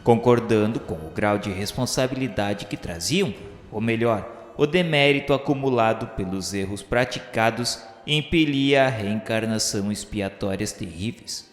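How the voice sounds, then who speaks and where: With music playing behind him, a man narrates a radio novel in formal, literary phrasing. His mid-pitched voice is solemn and declamatory, carried by a long hall reverb.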